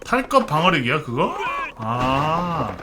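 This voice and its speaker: A man's voice: fairly high pitch, big pitch swings, slow, background noise. A man in his thirties casually commentating a martial-arts online game as he plays, chatty and talking to himself. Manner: chatty, muttering to himself, bursts into mock-archaic martial-arts role-play. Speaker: game streamer.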